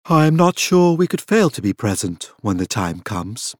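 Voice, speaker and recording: Man voicing a grave, level-toned gentleman. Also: mid-range voice, big pitch swings, normal speed, no echo, studio quality, lightly acted. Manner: level, stiff, unemotional.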